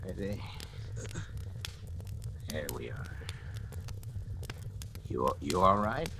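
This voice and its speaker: An actor playing a guilt-ridden scientist father, narrating his crime in grave, measured tones, in a vintage radio drama. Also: sits low, sing-song, vocal fry, very noisy, heavily acted. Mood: hushed. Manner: hushed, coaxing with his son, then solemn confessional narration. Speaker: doctor and narrator. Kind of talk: 1940s radio drama acting. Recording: old radio broadcast with music bed.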